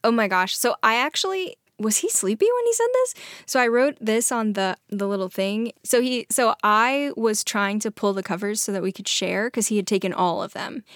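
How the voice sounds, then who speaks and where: A woman's voice: medium pitch, expressive, moderate pace, no room sound, studio quality. A woman chatting casually, telling anecdotes in an amused, giggly way and quoting dialogue as she goes. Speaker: podcast co-host telling stories.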